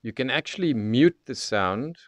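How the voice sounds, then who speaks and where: Here a man with a medium-pitched, expressive voice presents a product demo off the cuff at a moderate pace. As host of a radio tutorial, he explains everything step by step in a methodical way.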